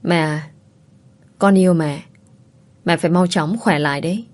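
A woman voicing a young female student, a devoted, tearful daughter who speaks softly and hesitantly. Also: lowish voice, normal speed, close to an everyday voice. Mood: tender.

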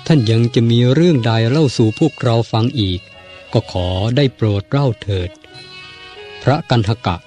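A man reading a novel aloud as an audiobook narrator, in a measured and formal storytelling manner. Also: medium pitch, lively intonation, a little mellow, soft background music.

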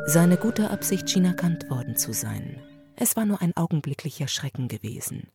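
A woman narrating a classic story as an audiobook, in a measured, steady storytelling manner. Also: lowish voice, loud music behind the voice.

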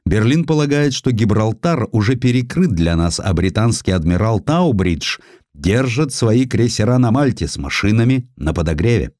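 A man voicing a commanding, shrewd and sharp-tempered German admiral in an emphatic, declamatory way for a historical audiobook. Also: on the low side, animated, normal speed, dry recording, clean studio sound, pitched above the performer's own voice, lightly acted. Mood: urgent, irritated.

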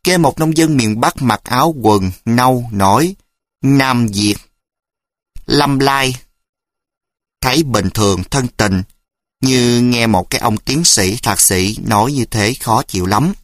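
A man reading an essay aloud as audiobook narration, in a steady, explanatory way. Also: mid-range voice, measured pace, no room sound, studio quality. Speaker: audiobook reader.

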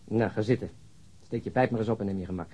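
A man's voice: lowish voice, fast talker, mellow, breathy edge. An actor playing a weary, sarcastic male police detective who needles his colleagues in a Dutch radio crime drama. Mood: weary mockery. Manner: sardonic, mocking.

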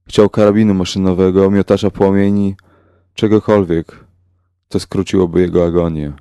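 Low dark guy reading a horror story, slow and grave. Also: no room sound, clean studio sound. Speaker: narrator. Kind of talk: scripted horror audiobook narration.

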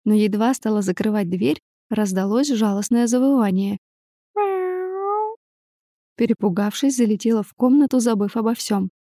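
A woman narrating a first-person audiobook in a steady, expressive storytelling manner. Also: mid-range voice, normal speed, pauses often, dry recording, studio quality.

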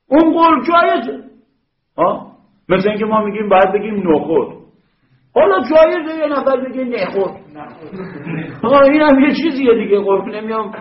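Male teacher, high voice, lively lecturing with rhetorical checks, recorded in an echoey room. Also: lo-fi sound. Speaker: Arabic grammar teacher. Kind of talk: classroom lecture.

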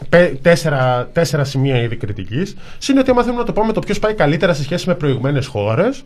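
A man's voice: a little high, very animated. A man co-hosting a political talk show, arguing insistently and piling up lists of examples. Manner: insistent, argumentative, piles up lists. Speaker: co-host. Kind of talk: casual political commentary.

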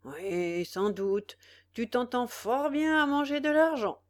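Grumbling old farmer father, slow and plain-spoken, read by a woman. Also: a little high, expressive. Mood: dry. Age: older. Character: elderly farmer father, grumbling and easily swayed.

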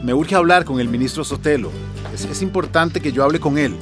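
A man's voice: on the high side, fairly quick, music in the background, natural voice. A man playing a fed-up small-town mayor. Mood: urgent. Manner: pleading on the phone, then frustrated muttering. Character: weary exasperated male small-town mayor. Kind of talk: radio drama acting.

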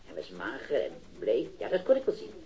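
A man playing an earnest, hesitant witness in a radio drama, recounting things carefully and haltingly. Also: mid-range voice, huge pitch swings, dark tone, lo-fi sound. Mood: recalling carefully.

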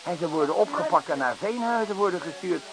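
An actor playing a gossipy, excitable common man at a wedding, telling tales colloquially in a radio play. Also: sits high, quick pace, rough recording. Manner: animated, colloquial storytelling. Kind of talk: theatrical radio play acting. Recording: radio play with crowd noise.

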